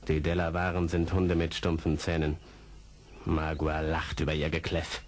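An actor playing a proud, scornful Native American warrior villain in a radio play, declaiming solemnly. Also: male voice, extremely low pitch, monotone, moderate pace. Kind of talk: 1970s German radio play acting.

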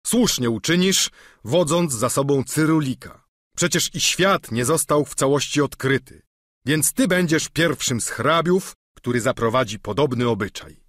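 A man's voice: mid-range voice, animated, normal speed, fairly bright tone, no room sound, studio quality, pitched above the performer's own voice. A man voicing a formal, grandiose aging nobleman knight in an audiobook. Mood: lofty. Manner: formal, lofty. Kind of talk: audiobook character reading.

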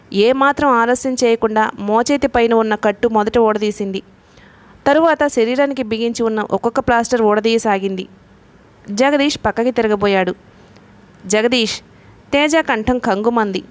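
A woman narrating a novel as an audiobook reader, reading the characters' lines in her own voice. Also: a little high.

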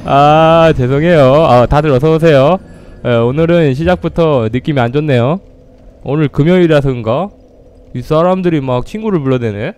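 A man's voice: fairly high pitch, fairly quick, a little mellow, smooth. A man streaming a game live, greeting viewers and trash-talking the opponents he fights.

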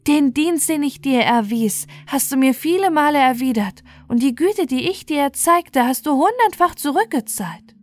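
A woman voicing a gentle enslaved child in a fairy tale, earnest and plaintive. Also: high-pitched, expressive, moderate pace, no room sound, voice pushed up. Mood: thankful.

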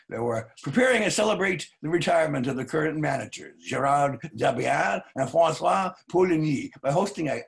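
An older man playing a wary, reflective novelist in a staged reading, speaking deliberately with some hesitation. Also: a little high, creaky. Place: home study, video call.

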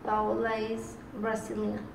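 A young adult woman answering as a student in class, with quiet, hesitant replies, recorded by a far camera in an office room. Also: mid-range voice, monotone, a little slow, creaky, a little hiss or hum.

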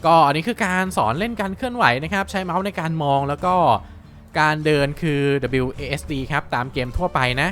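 Lively chatty man doing game commentary. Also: fairly high pitch, fast. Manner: excitable, chatty, cheers himself on. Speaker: gaming channel host. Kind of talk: let's-play commentary.

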